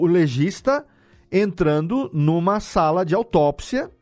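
A Brazilian man talking casually as an interviewed audio editor, explaining things in an animated way with rhetorical questions. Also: sits high. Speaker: audio drama editor and podcast guest.

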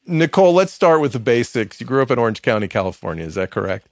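A man's voice: medium pitch, sing-song, fast talker, no echo, clean studio sound. A man hosting a podcast, interviewing a guest in an upbeat, conversational way. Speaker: podcast host.

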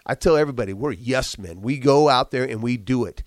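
A man's voice: mid-range voice, brisk, no echo. A man who is a business owner speaks candidly in an interview. He is congested, repeats himself a lot and talks with emphasis. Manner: emphatic, repeats words often. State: congested, chesty cough.

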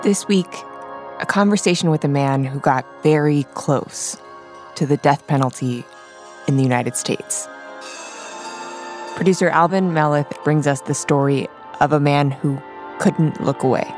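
A woman hosting a podcast, delivering scripted introductions in a clear, composed way. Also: low voice, unhurried. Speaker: podcast host. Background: music.

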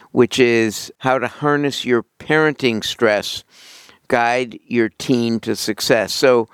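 A man's voice: medium pitch, clear, resonant tone, dry recording, clean studio sound. A man hosting an interview, plainspoken and self-deprecating, asking questions of his guest. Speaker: podcast host.

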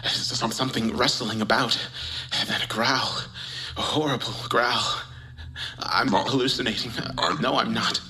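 A man's voice: on the low side, steady tone, measured pace, sharp tone, heavily acted, poor audio. An actor playing a terrified, isolated man who is coming apart, whispering and stammering into an audio log. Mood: frightened.

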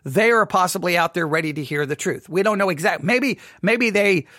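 High-pitched earnest male podcast host. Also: a little fast, sharp tone, no echo, clean studio sound. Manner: earnest, repetitive emphasis, frequent restarts. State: voice briefly giving out. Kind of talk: solo commentary podcast.

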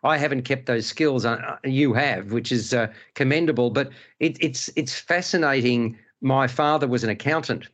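A man's voice: mid-range voice, normal speed, few pauses, fairly bright tone. A middle-aged man whose first language is Hungarian, hosting a casual film-review panel and rambling through restarts and digressions. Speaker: podcast host.

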